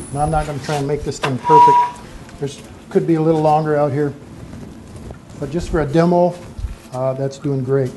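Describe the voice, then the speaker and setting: A man talks at a fairly quick pace in a fairly high pitch, his intonation fairly even. Long, frequent pauses break his speech over noticeable background noise. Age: 60s. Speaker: woodturner. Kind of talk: live demonstration. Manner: casual, conversational.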